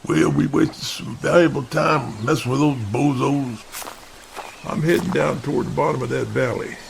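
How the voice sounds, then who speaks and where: A man playing a folksy, plain-spoken seasoned hunter with a gravelly voice in an amateur audio drama. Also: medium pitch, steady tone, moderate pace. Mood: wry. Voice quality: gravelly, creaky. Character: folksy, grumbling seasoned hunter on a camping trip. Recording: faint background noise.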